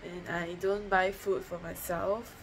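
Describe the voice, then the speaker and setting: A young woman talking straight into a phone held close at home, her voice sitting a little low. She wanders through her points in a plain, matter-of-fact way, full of fillers and restarts. There is a steady hiss of background noise under the voice. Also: takes it slowly. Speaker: vlogger. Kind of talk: casual diet vlog to camera. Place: home, indoors. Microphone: phone held close at arm's length. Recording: noisy home phone recording.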